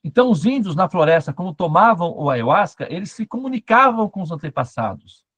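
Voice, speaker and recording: A man's voice: high-pitched, very animated, fairly quick, fairly bright tone, slightly rough. A man giving a satsang talk as a spiritual teacher, telling stories with humor and asking himself questions.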